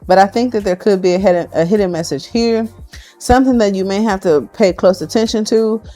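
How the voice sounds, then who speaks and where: Chatty, excitable woman reading tarot cards. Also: mid-range voice, brisk, faint music behind. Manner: excitable, chatty, thinking aloud. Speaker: tarot card reader. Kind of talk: casual tarot reading to viewers.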